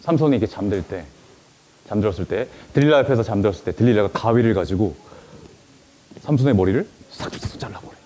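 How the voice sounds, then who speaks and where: A male pastor giving a children's sermon, telling a Bible story in an animated way and asking the children questions. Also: on the low side, quick pace.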